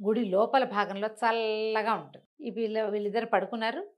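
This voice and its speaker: A woman telling a folk tale in a conversational, expressive storyteller's way, repeating phrases for emphasis. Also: on the high side, brisk.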